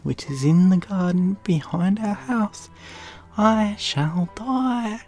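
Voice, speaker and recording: A man voicing an ailing young wife in a storybook tale, pleading melodramatically in a high, falsetto-like pitch. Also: slow, a little mellow, soft background music. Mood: pleading, pining.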